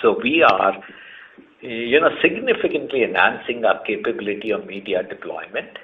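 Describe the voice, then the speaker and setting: An Indian man speaking as a company chief executive on an earnings call, explaining emphatically and setting out his points one by one. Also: lowish voice. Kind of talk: earnings conference call answers. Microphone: conference call line. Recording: muffled, band-limited conference call audio.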